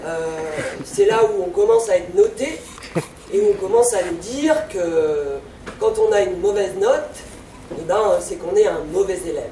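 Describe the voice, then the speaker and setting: A woman with long, frequent pauses, amid audible room echo and light background noise. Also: moderate pace. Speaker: performer giving a gesticulated lecture. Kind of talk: storytelling stage talk. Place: stage.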